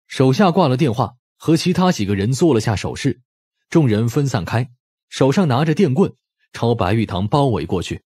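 A man's voice: mid-range voice, very animated, moderate pace, mellow, slightly rough, no echo, clean studio sound. A man reading scripted audiobook narration in a dramatic storytelling style.

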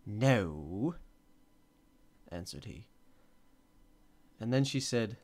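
A man narrates fiction in a fairly low, creaky voice. His delivery is theatrical and very lively in pitch, with deliberate phrasing that suits a storybook. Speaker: voice actor, story reader. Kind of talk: dramatic scripted storybook narration.

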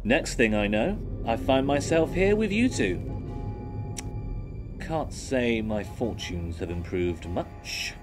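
A flamboyant villain of an audio drama acted by a man, sardonic and smug. His drawl is leisurely and very animated, with music clearly behind it. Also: medium pitch, slow pace. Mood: wry, theatrical. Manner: theatrical, mocking, drawling.

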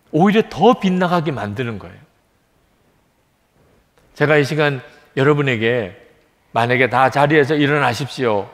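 A man's voice: on the high side, a bit bright. A middle-aged man preaching a sermon as a pastor, speaking earnestly to his congregation. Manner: earnest preaching, acts out a child's plaintive voice in quotes. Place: large church sanctuary. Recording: long church hall reverb.

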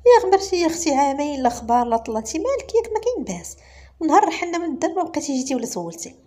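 A woman storyteller voicing an older lady of a rich house with a Moroccan accent, who talks effusively and rises high when excited. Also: racing, close to an everyday voice. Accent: Moroccan Arabic. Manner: effusive, exclaiming, high bursts.

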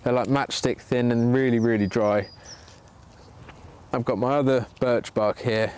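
In a clear, resonant, darkish mid-range voice, a bushcraft livestreamer speaks at a measured pace with fairly even intonation. He casually chats with viewers while demonstrating in sunny woodland, his camera pointing down at his hands.

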